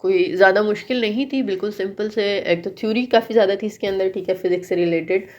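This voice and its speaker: A woman's voice: mid-range voice, a little mellow, highs cut off. Woman tutor walking through quiz answers. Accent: Pakistani Urdu. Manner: explanatory, reads English questions slowly then explains; frequent check-ins like "okay". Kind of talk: quiz solution walkthrough.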